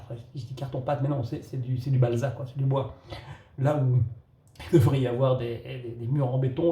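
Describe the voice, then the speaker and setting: A man with a gravelly, warm, relaxed voice talks through a film review in a loose, casual way. He trips over his words and restarts often, chuckling as he goes. The room around him is echoey. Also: mid-range voice. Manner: halting, with many restarts and chuckles.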